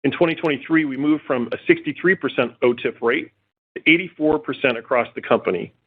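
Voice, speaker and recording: A man in the role of chief executive reading scripted earnings call remarks in a formal, measured way over a conference phone line. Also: medium pitch. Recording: tinny narrow-band phone line.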